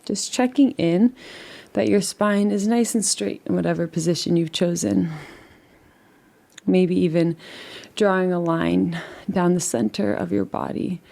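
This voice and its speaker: Gentle, creaky-voiced woman guiding meditation. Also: lowish voice, animated. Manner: soothing, unhurried, gentle instruction. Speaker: meditation guide. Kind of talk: guided relaxation meditation.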